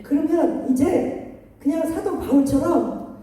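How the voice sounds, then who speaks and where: Middle-aged woman w/ preaching, dark mellow tone, far off in a big echoey church. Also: sits high, slow pace. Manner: animated storytelling, acts out voices, laughs often. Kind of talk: lively sermon. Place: church sanctuary.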